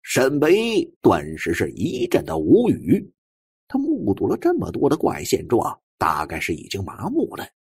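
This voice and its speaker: Male suspense narrator: dramatic storyteller, strongly raspy, hugely varied intonation. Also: medium pitch, huge pitch swings, a little slow, darkish tone, no echo, clean studio sound. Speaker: audiobook narrator.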